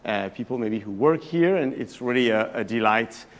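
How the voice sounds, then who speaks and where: A man's voice: mid-range voice, expressive, normal speed. A man in his thirties with a French accent, a professor giving an evening talk to a live audience in a chatty, hesitant way that often restarts phrases. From France. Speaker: guest lecturer, professor.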